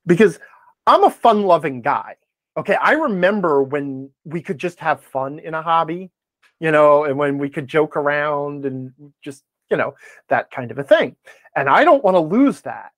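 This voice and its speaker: A man's voice: on the high side, big pitch swings, moderate pace, fairly bright tone, no room sound. A man talking casually as an interview guest, telling anecdotes in an emphatic way and punctuating his points. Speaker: guest, tabletop gaming blogger.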